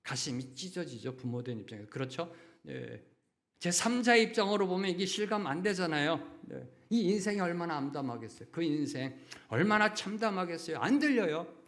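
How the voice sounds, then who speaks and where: Middle-aged male pastor mid-sermon, somewhat high-pitched, talks the congregation through with questions and quick acted-out quotes. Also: expressive. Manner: frequent affirming "네" fillers, rhetorical questions to the congregation; acts out brief quoted voices, at times shouting.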